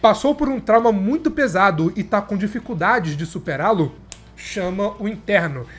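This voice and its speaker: A man's voice: high voice, expressive, moderate pace, a bit bright. A Brazilian man with a stuffed nose and sore throat, chatting enthusiastically as he reviews a TV series for his viewers. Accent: Brazilian Portuguese. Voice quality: nasal, stuffy. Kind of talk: casual video commentary.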